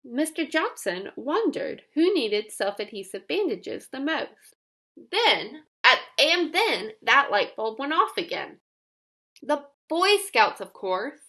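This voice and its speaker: Female storybook narrator, high and very lively in pitch, expressive scripted read-aloud for children with emphatic delivery. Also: slow pace. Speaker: storybook reader.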